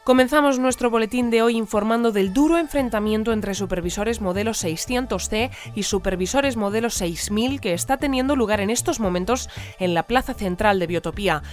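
A woman's voice: mid-range voice, natural voice. A woman playing a composed but easily puzzled radio newsreader in an audio fiction, presenting in a formal announcing manner. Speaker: news presenter. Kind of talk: scripted radio bulletin and interview in audio fiction.

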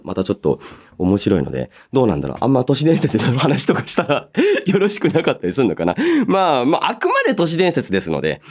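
Animated man hosting a radio show. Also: mid-range voice. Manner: animated storytelling with sound-effect words and casual asides. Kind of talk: solo radio chat reading listener mail.

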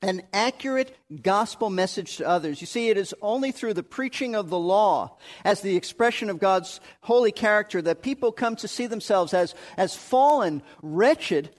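Male pastor with a high, light voice, earnest sermon delivery, words doubled for stress. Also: animated, moderate pace, hardly any pauses. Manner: earnest, repeats words when stressing a point.

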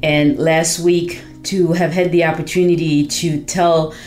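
A woman's voice: deep voice, flat delivery, a little slow, a little mellow. A woman from Haiti who hosts a podcast, telling her story in an earnest, reflective way with frequent "you know"s. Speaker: podcast host. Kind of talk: personal testimonial.

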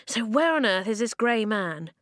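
A woman's voice: a little high, very animated, moderate pace, fairly bright tone, no echo, clean studio sound. A woman voicing a practical, puzzled young boy in a children's audiobook, with an earnest, urgent manner.

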